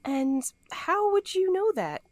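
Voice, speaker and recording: A woman's voice: very high voice, slow, dry recording, exaggerated voice. A woman acting in an audio drama as an anxious, wry young female sleuth, talkative and a little hesitant. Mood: flustered. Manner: hesitant, expressive.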